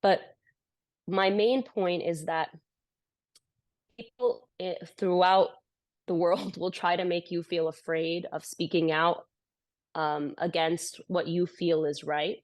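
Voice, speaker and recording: A woman speaks at a campus event in a passionate, earnest way, often restarting her sentences as she retells a hard conversation. Her voice sits on the low side for a woman. The sound is dry and close, with little room echo. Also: steady tone, takes it slowly, long pauses. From United States. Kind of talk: impassioned personal testimony.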